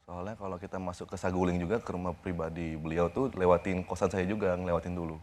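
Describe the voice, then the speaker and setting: A young man, a guest on a TV interview, recounting events in a halting, informal way. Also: low voice, fairly even intonation, darkish tone, a little hiss or hum. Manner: halting, informal, retells conversations step by step.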